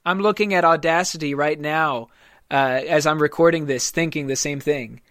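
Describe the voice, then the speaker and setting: A man's voice: fairly high pitch, moderate pace, fairly bright tone, no room sound, studio quality. A man hosting a casual podcast interview in an easygoing, friendly way. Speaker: podcast host.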